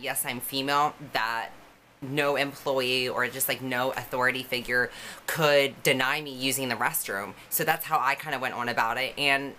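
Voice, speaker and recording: A young woman with a notably low voice speaks frankly to her camera, telling her own story. Her tone is bright and forward, and the talk is loose and conversational, full of fillers. A faint hiss sits under the recording. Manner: candid, conversational, many fillers. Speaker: vlogger.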